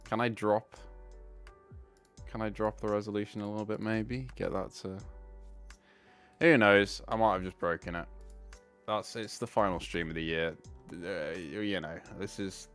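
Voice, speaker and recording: Male streamer, low clear voice, loose rambling chat over faint music. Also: steady tone, a little slow, fairly bright tone. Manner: rambling, fixing tech while talking. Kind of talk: casual live stream chat.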